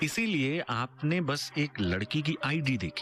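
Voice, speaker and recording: Noticeable background noise sits under this man's voice. His pitch swings very widely. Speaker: radio host. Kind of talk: radio call-in advice show.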